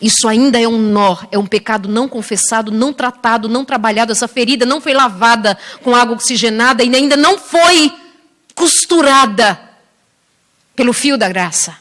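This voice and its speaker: A woman's voice: on the high side, fairly quick, a bit bright. A middle-aged woman preacher from Brazil giving a sermon, telling stories expressively and acting out the voices of the people she quotes.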